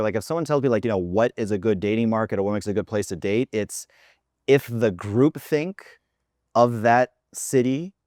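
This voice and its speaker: A man's voice: fairly low pitch, no room sound, studio quality. A man from the United States hosting a podcast, talking animatedly, exaggerating for comic effect, and swearing freely. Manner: animated, profane, exaggerating for laughs. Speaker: podcast host. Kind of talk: casual chat.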